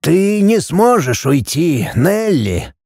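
A man putting on a slow mystical old sage. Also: sits high, sing-song, creaky, a little mellow, husky, dry recording, studio quality, voice pushed up, full character voice. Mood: sad. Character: old grey-bearded man, calm, mystical and sorrowful.

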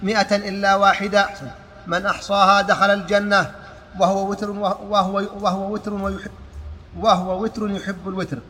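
High, monotone man reciting in a hall. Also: normal speed, soft background music. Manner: steady recitation with occasional restarts. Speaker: student reading a text aloud. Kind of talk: reciting a religious text in a lesson. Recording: long hall reverb with faint noise.

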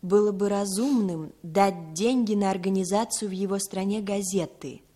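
A woman's voice: mid-range voice, moderate pace, mellow, lightly acted. A woman playing a clever, composed young female agent in a 1960s radio play, speaking in a poised, polished way. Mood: businesslike.

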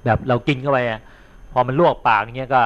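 A man who is a Buddhist monk, retelling an old tale in a loose, chatty dharma talk and pausing to explain words to his listeners. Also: medium pitch, fairly even intonation. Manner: chatty, repeats words while thinking aloud; explains like a teacher, checks in with listeners. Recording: dull lo-fi recording.

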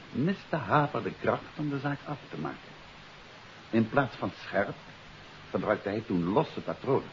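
An actor playing a confident detective who explains a case in an assured, emphatic way, in 1950s radio drama style. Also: male voice, medium pitch. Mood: assured explaining. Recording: dull, hissy 1950s radio recording.

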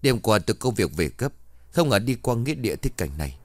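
A man's voice: on the low side, big pitch swings, quick pace, no echo. A man voicing an indignant middle-aged younger son in a ghost story, lecturing and reproachful.

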